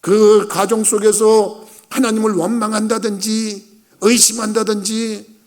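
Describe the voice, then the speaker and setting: A middle-aged male pastor preaching a sermon, telling a Bible story and acting out the characters' lines, swinging between loud and hushed. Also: high-pitched, little pitch movement, measured pace. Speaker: senior pastor.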